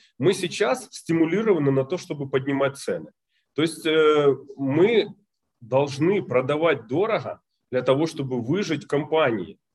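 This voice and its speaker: Lively intonation runs through an unremarkable speaking voice at a fairly slow pace. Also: man. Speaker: energy company executive. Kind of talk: panel discussion. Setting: video call.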